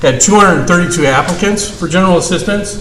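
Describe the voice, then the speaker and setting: Noticeable background noise and audible room echo surround a male speaker. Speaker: township supervisor. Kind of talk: public meeting report. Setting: town meeting. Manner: loud.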